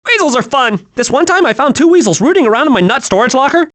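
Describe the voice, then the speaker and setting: Hyperactive young male squirrel, game animation: very high, swooping, wide-eyed and childlike. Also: fast, heavily acted. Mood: cheerful, naive. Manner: excitable, naive, wide-eyed. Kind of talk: animated video game voice acting.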